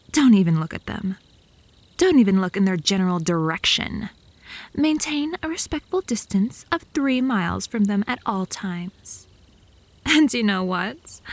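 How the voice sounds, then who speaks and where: A woman voicing a haughty, jealous vampire woman in an ASMR roleplay, snide and mocking in a deliberate delivery, close to the microphone. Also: medium pitch, vocal fry. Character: haughty, jealous, sharp-tongued vampire woman, obsessive stalker. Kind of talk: ASMR roleplay, comic bickering.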